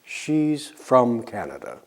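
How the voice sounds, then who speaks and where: A man teaching an English lesson, drilling example sentences slowly and clearly with pauses for learners to answer. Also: medium pitch, very animated. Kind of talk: slow scripted language lesson.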